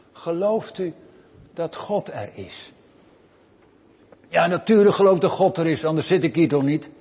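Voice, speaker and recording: A man preaching a sermon, earnestly questioning his listeners and rising from quiet to loud pleading. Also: fairly high pitch, slightly rough. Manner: addresses listeners with direct questions. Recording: lo-fi recording with long church reverb.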